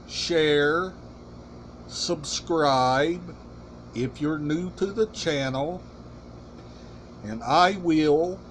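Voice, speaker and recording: A middle-aged man hosting a casual collection vlog, talking deliberately in short, halting, emphatic phrases. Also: fairly high pitch, slight background noise. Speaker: collection channel host. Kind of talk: casual show-and-tell vlog. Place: small room indoors.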